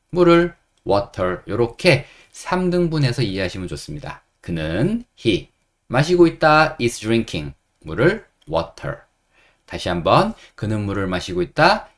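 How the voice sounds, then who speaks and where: A lower-voiced man teaching beginner English with a Korean accent, patiently walking through each step. His voice rises and falls in a lively way as he slowly models English phrases for learners to repeat. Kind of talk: online English lesson.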